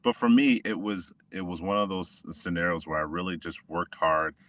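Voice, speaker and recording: A middle-aged man from Washington State, a former football player telling his story in a relaxed, reflective way with many restarts. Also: low voice, normal speed, recorded from a distance, a little hiss or hum. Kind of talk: conversational interview.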